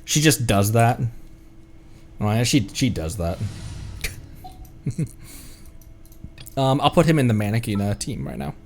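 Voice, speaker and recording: A streamer giving casual, excitable live commentary on a game, exclaiming and often repeating phrases. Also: mid-range voice, measured pace, long pauses, slight background noise. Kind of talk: casual gameplay livestream commentary. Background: video game music.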